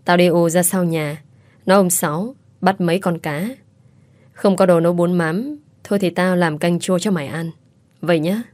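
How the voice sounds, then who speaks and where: A woman's voice: lowish voice, fairly even intonation, normal speed, darkish tone, no room sound, close to an everyday voice. A woman doing a bossy old neighbor granny. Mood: bossy, bustling. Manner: scolding yet affectionate, bossy. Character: fussy, loud-mouthed old neighbor woman, doting. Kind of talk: audiobook story narration.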